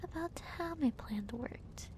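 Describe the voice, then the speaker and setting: A smug villainess acted out by a woman whispers her gloating monologue in an ASMR roleplay. She draws each phrase out slowly and teasingly, in a breathy, fairly high feminine voice with a theatrical air. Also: lively intonation, poor audio. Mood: smug, playful. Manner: slow, deliberate, teasing, theatrical.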